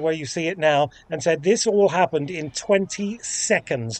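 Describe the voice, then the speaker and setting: Here a man talks at a moderate pace with ordinary pitch variation, and the sound is dry with no echo. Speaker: channel host, witness. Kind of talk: live commentary. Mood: shocked, serious. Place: home room.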